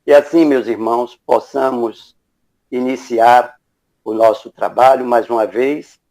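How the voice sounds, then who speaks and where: A man's voice: medium pitch, fairly even intonation, unhurried, warm tone. A man with a Brazilian accent, formal and reverent, hosting a religious gathering with solemn prayer and courteous welcomes. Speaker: host leading the opening prayer.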